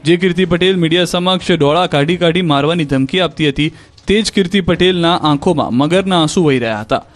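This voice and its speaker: A man narrating a news report in a scripted, emphatic voice-over. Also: on the high side. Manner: fast, emphatic news delivery.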